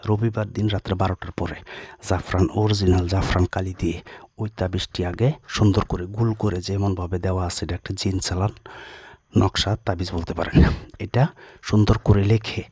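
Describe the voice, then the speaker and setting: Fast, husky-voiced healer man. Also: low-pitched, flat delivery, darkish tone, dry recording. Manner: boastful, repeats challenges, chants in a rhythmic drone. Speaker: folk healer. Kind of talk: instructional video with chanted incantations. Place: his healing chamber, indoors.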